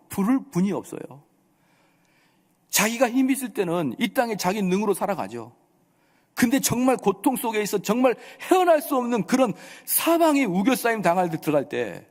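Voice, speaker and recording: In an echoey church sanctuary, a male pastor preaches a sermon, acting out quoted voices and scolding his listeners with rhetorical questions. His voice is fairly high with a darkish tone.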